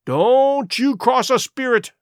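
A man voicing a superstitious pirate crewman with urgent, rough sailor's talk. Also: very high-pitched, animated, slow pace, dry recording, clean studio sound, voice pushed up, full character voice. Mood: fearful warning.

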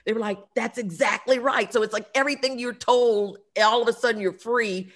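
A woman talk show host with a Southern US accent, a loud voice and a big laugh, talking in a lively, folksy way. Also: on the high side, brisk, dry recording. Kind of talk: casual chat and promo.

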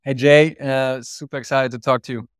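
Man with a German accent, guest in a casual interview, earnest, stumbling restarts, mid pitch, dry close sound. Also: fairly even intonation, moderate pace, dry recording. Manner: earnest, many restarts and repeated words. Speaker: guest, company co-founder and CEO.

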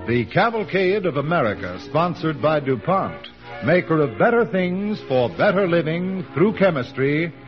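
A man's voice: on the high side, very animated, normal speed, over music. A man announcing a 1940s radio drama in a stately, emphatic way, on a muffled old broadcast recording.

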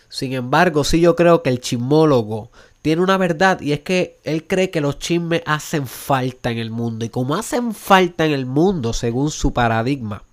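Emphatic Puerto Rican podcast host. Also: male voice, medium pitch. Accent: Puerto Rican Spanish. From Puerto Rico. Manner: emphatic, rising to urgent rhetorical questions; drops English words into Spanish. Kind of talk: motivational podcast monologue.

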